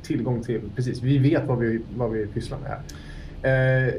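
A man's voice: mid-range voice, steady tone, a little mellow, slight background noise. Hesitant man heard from a distance. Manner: hesitant, many fillers. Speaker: player. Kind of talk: in-character tabletop play. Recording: distant mic in room.

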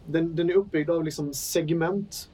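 A man running a tabletop role-playing game as game master, narrating the action with lively energy. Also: fairly high pitch, husky. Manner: lively, acts out panicked shouts.

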